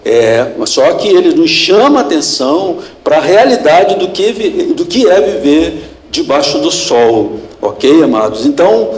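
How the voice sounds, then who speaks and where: Slow, deliberate Brazilian pastor preaching. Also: male voice, a little high, sing-song, a little mellow. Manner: slow, deliberate preaching with repeated phrases and rhetorical questions. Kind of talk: sermon. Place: church hall. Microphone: handheld or stand mic with feedback.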